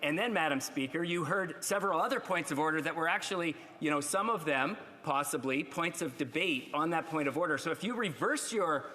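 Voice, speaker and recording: A man with a Canadian accent, a member of parliament, making a measured procedural argument. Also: on the high side, lively intonation, bright, forceful tone. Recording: reverberant chamber hall.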